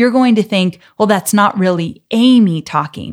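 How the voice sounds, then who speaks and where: A woman has a normal speaking voice at a medium pitch and a moderate pace, with lively intonation. The recording is very clean with a silent background. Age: 40s. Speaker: online marketing podcast host. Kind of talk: solo podcast monologue, personal confessions. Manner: casual, conversational.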